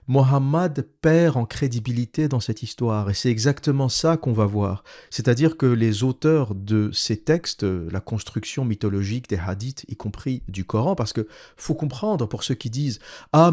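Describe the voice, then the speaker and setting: A man's voice: mid-range voice, darkish tone. A man giving critical commentary while reading a text aloud, glossing terms and adding mocking asides. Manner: explanatory, restating terms. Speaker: video commentator.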